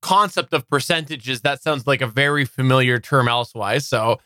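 A man's voice: mid-range voice, moderate pace, sharp tone, no echo. A man co-hosting a podcast, chatting casually with dry humor. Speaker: podcast co-host.

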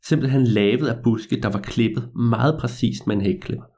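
A man telling a story to listeners in a lively, meandering way, with hesitations and repeats. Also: mid-range voice.

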